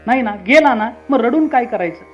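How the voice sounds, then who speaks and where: A man voicing Subhadra, a grieving mother who reasons calmly and insistently about her son's death. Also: very high-pitched, moderate pace. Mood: composed. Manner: composed, reasoning, rising insistence. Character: Subhadra, a calm grieving mother of a fallen son. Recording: muffled with faint instrumental music.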